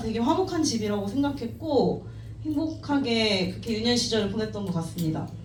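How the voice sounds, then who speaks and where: With noticeable background noise and audible room echo, a woman talks at a moderate pace in a fairly high pitch. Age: 30s. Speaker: team member giving a talk at a business meeting. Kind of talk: motivational talk at team meeting. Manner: halting, with fillers.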